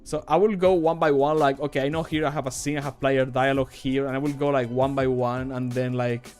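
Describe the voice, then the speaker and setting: A man's voice: medium pitch, level tone, a little fast, a little mellow, soft background music. A man in his thirties chatting casually on a livestream in a rambling, self-deprecating way. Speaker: streamer and game modder. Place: small home room, indoors.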